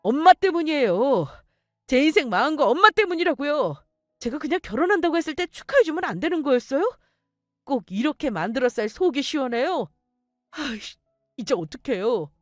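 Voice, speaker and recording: A woman's voice: sits high, sing-song, a little fast, no echo, studio quality, soft background music. A woman voicing a young boyfriend who whines and sulks. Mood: blaming. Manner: whiny, sulking, complaining. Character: sulky young man, whining boyfriend.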